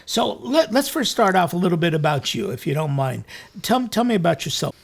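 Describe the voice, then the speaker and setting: A man's voice: high-pitched, big pitch swings, fairly quick, creaky. A man hosting an interview as a priest, speaking earnestly and reflectively from a studio, often restarting his sentences. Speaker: priest and show host. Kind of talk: conversational interview. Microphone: studio mic.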